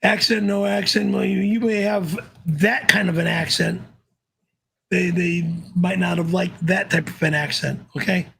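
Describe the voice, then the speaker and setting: A man's voice: high-pitched, fairly even intonation, unhurried, gravelly, fairly bright tone, slightly rough. A man hosting a live stream, cranky and indignant, swearing often. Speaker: livestream host. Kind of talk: profane live-stream banter.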